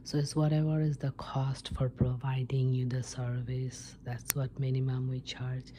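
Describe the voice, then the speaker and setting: A woman playing an obliging receptionist at a wellness retreat in an ASMR role play, whispering haltingly. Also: a bass voice, little pitch movement, background noise. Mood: soothing, informative. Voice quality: breathy whisper. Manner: halting, unhurried explaining.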